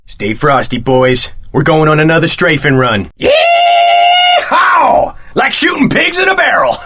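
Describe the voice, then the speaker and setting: A man's voice: fairly high pitch, huge pitch swings, measured pace, bright, forceful tone, husky, raised voice, heavily acted. An actor playing a brash, trigger-happy male gang leader in a video game, cocky and rowdy. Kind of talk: video game combat barks.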